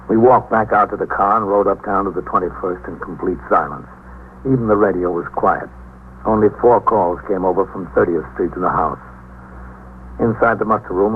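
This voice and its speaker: Casting: male actor as a weary police captain, very low voice, calm and matter-of-fact, on a thin, hissy old radio broadcast. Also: lightly acted. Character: steady, weary middle-aged police captain. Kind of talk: 1950s radio drama with first-person narration. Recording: tinny old radio broadcast with faint hiss.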